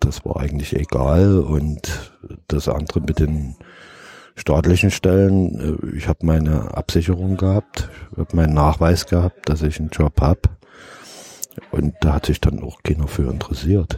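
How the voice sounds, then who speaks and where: Somewhat breathy and dark, mellow in tone, a man's very deep, low voice keeps a fairly even intonation. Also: fairly slow pace, dry, close sound with no echo. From Saxony, eastern Germany (Radebeul near Dresden). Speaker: photographer. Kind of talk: interview. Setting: outdoors on a balcony.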